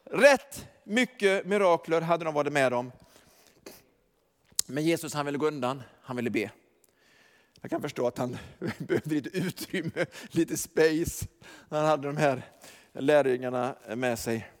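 High-voiced preaching man in a hall. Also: animated. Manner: emphatic preaching that swings from quiet asides to shouted declarations; chuckles often while telling. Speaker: pastor. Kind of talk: sermon. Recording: long reverb of a large hall.

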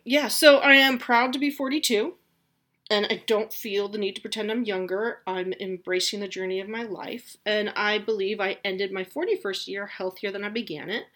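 A woman's voice: mid-range voice, a bit bright. A woman in her forties hosting a casual solo podcast from home, chatty and rambling, with a self-deprecating humor. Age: 40s. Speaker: podcast host.

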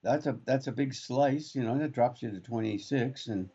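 A man co-hosts a radio talk show from afar, rambling through his points with restarts and "you know"s. His voice is of average pitch, and it comes over a remote line that sounds slightly dull and muffled. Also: normal speed, dark tone, husky. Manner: rambling, many restarts and fillers. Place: remote studio in Kamloops.

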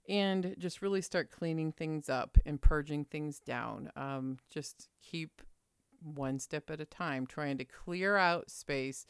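A woman's voice: sits low, creaky, clean tone, no echo, studio quality. A middle-aged woman vlogging in a chatty, rambling way with fillers. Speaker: quilting vlogger. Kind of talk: casual chat.

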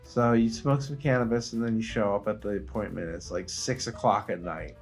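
A man co-hosting a casual comedy podcast, telling stories in a profane, animated way and acting out quotes. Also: on the low side, fairly quick, soft background music. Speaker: podcast co-host.

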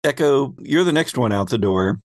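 A man acting as game master, narrating an improvised tabletop game descriptively and pausing to find his words. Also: mid-range voice, lively intonation, dry recording.

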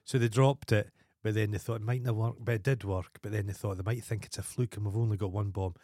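A man's voice: lowish voice, steady tone, fast, mellow, no echo, clean studio sound. A Scottish man co-hosting a podcast, telling rambling sweary stories in casual banter. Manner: rambling, sweary storytelling with wild sung outbursts. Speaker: podcast co-host.

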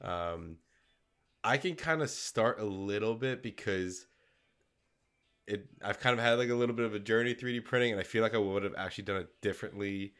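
Congested male podcast co-host, lowish voice, loose rambling chat full of fillers. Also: a little fast, fairly bright tone, clear, resonant tone. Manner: rambling, many fillers and restarts. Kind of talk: casual chat.

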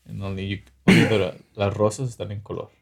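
A man with a Chicano accent chatting casually, switching between Spanish and English in a halting, slangy, profane way. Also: on the low side, fairly even intonation, gravelly, slightly rough. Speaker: photographer.

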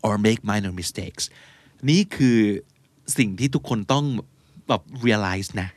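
A man's voice: on the low side, takes it slowly, no echo. Man explaining casually, dry sound. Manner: explains terms, mixes English words into Thai. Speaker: podcast co-host explaining English levels.

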